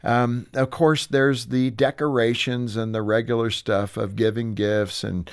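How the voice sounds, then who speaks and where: A man's voice: medium pitch, little pitch movement, a little slow, clear, resonant tone, dry recording, studio quality. A mature man hosting a radio show in a conversational, chatty style. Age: middle-aged or older. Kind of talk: conversational broadcast chat.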